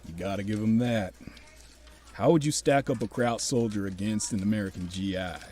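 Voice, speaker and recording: A man's voice: on the low side, moderate pace, warm tone, lightly acted. A man playing a genial older American army officer in an audio drama, probing and commanding in a folksy, paternal way.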